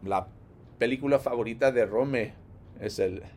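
A man preaching a sermon in an expressive way, rising loud and falling hushed, with frequent light laughs. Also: mid-range voice, measured pace, a little hiss or hum.

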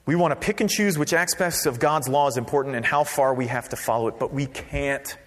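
A man preaching a sermon as pastor, conversational and lively, dropping to a quiet voice for emphasis. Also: medium pitch, a little fast. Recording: long reverb of a large hall.

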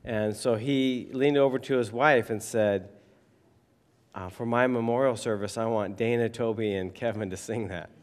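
A man with a hoarse, froggy voice preaches in a relaxed, rambling way, full of ums and asides. His voice is of ordinary pitch for a man. The sound carries a long reverb, as in a church hall. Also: normal speed. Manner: rambling, conversational, many fillers. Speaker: pastor. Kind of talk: casual sermon.

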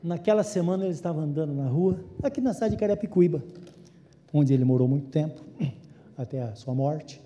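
Brazilian pastor, sixties, man, very mellow dark tone, preaching in a reverberant church. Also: a little high, animated, a little fast, lo-fi sound, a little hiss or hum. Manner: conversational, swings between hushed and emphatic. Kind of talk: sermon with personal storytelling.

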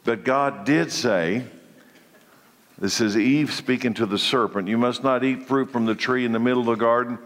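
A man's voice: medium pitch, moderate pace, a bit bright, big-room sound. A congested man leading a church Bible study, preaching in a conversational way that often restarts his phrases. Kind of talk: church teaching session.

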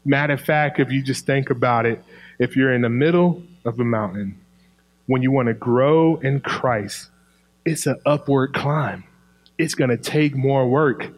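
A man's voice: mid-range voice, a little slow, poor audio. A man with an African American English accent preaching a sermon, folksy and colloquial, driving points home with repeated phrases. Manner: emphatic, repeating key phrases for effect. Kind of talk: sermon to a congregation.

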